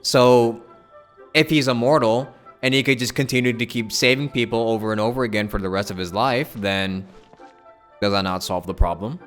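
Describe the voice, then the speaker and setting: A man chatting casually on a game livestream, thinking aloud in a halting way and repeating his phrases. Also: mid-range voice, fairly bright tone, soft background music. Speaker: game streamer. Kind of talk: casual livestream chat with viewers.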